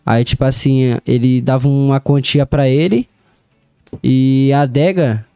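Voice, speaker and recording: A man's voice: medium pitch, steady tone, a little slow, gravelly, warm tone, clean tone, no echo, clean studio sound. A young man telling stories as a podcast guest, easygoing and full of slang. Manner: laid-back street slang, storytelling, laughs often. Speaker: DJ and music producer guest. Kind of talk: casual podcast interview.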